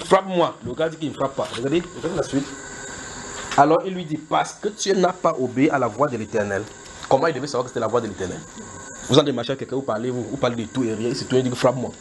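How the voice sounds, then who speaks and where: A man preaching a sermon who retells scripture as a film, with lively, joking storytelling. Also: medium pitch, slight background noise. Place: church.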